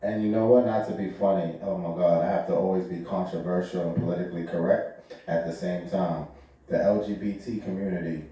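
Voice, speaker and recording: Man, 40s, podcast co-host, deep dark tone, joking and probing, very echoey room. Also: steady tone, a little fast, muffled recording. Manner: joking, opinionated, asks probing questions. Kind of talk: casual chat. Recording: very echoey room, far from the mic.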